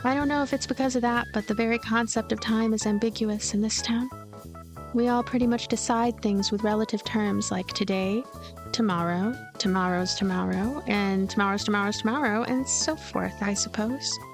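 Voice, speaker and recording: A woman's voice: mid-range voice, moderate pace, over music. A woman doing a voiced let's play, narrating a story game aloud with casual commentary. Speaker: let's player reading game text aloud.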